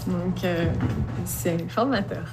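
A woman, a slam poet and singer, answering interview questions in an earnest, thoughtful way with many pauses. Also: lowish voice, music in the background.

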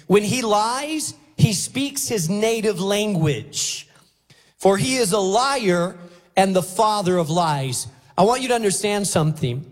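A man from Spain preaching a sermon as a pastor, emphatic, deliberate and teacherly. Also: sits high, animated. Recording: reverberant hall, faint music.

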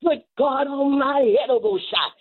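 A woman's voice: high voice, normal speed. A woman preacher delivering a fervent, chanted Christian sermon in short rhythmic phrases, punctuated with grunts and repeated cries of praise, in a muffled recording.

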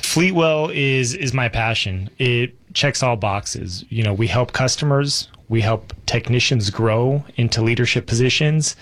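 A man's voice: medium pitch, unhurried, hardly any pauses, fairly bright tone. Friendly man guesting on a radio show. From Israel. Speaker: guest business owner. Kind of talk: radio interview answers.

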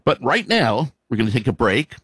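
A man filling in as a talk radio host, chatting casually with a deep voice and loose asides. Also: sing-song, normal speed, a bit bright, breathy edge, no room sound, clean studio sound. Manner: loose, conversational, with fillers and asides.

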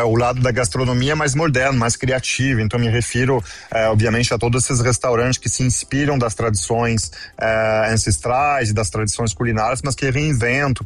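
A man's voice: medium pitch, dry recording. A man in his forties from France with a French accent, answering interview questions thoughtfully, with frequent hesitations. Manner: fluent, thoughtful, many hesitations and "né" tags. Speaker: guest, gastronomy and tourism event organizer.

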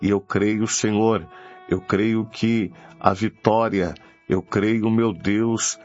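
A man's voice: fairly low pitch, fairly even intonation, takes it slowly, darkish tone. A Brazilian man leading a fervent Christian prayer as a preacher, pleading and repeating himself with frequent devotional interjections. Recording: dull lo-fi audio with music behind. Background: music.

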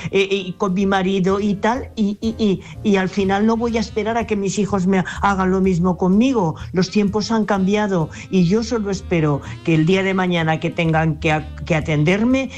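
A woman's voice: lowish voice, a little mellow. An older woman from La Mancha with a Spanish accent, phoning into a radio show to give earnest, repetitive advice and often restarting her sentences. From Castilla-La Mancha, Spain. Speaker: caller. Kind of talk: radio call-in message.

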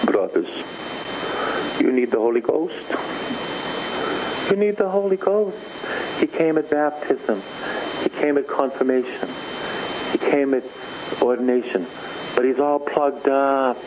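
A priest preaching to radio listeners, retelling scripture stories with mimicked voices and then leading a long repeated prayer. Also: male voice, mid-range voice, measured pace, pauses often, background noise. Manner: storytelling preaching, mimics voices, prays in repeated invocations and tongues. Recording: tinny lo-fi radio broadcast.

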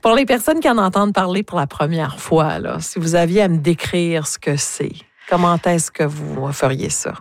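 A woman's voice: fairly low pitch, normal speed, hardly any pauses, slight background noise. Friendly radio host woman in her fifties. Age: 50s. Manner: friendly, conversational, laughs easily. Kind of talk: radio interview.

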